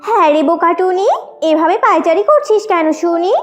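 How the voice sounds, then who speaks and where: A woman's voice: extremely high pitch, brisk, soft background music. A woman voicing small female animals in a children's cartoon, in an emphatic, childlike way. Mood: bossy. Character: small female cartoon bird and vixen, naive or bossy.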